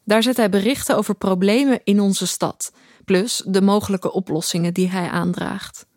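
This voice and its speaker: An actress playing a detached, introspective woman who narrates her own story in a deadpan, reflective way for an audio drama. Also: medium pitch, moderate pace, dry recording, clean studio sound, lightly acted. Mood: matter-of-fact. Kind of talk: scripted first-person audio drama narration. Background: music.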